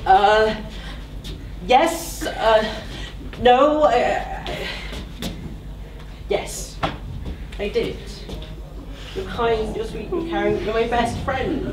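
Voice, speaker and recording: A woman's voice: fairly high pitch, very slow, pauses often, noisy background. A young woman playing an awkward, lovestruck young man, nervous and hesitant, in an amateur stage pantomime. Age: young adult. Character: awkward, lovestruck young male best friend, Buttons. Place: stage in a theatre hall. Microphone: distant camera. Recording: echoey theatre hall from far off.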